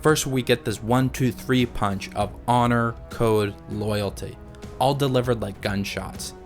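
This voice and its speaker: A man narrating a scripted video essay in a measured, analytical way. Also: mid-range voice, steady tone, soft background music.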